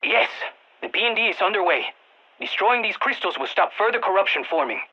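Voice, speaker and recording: An actor playing an excitable, nerdy male scientist with a Latino Spanish accent, wordy and theatrical, in video game radio lines. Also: high-pitched, brisk, dull audio, full character voice. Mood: urgent briefing. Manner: theatrical, wordy, swinging between glee and exasperation. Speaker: mission scientist giving radio briefings.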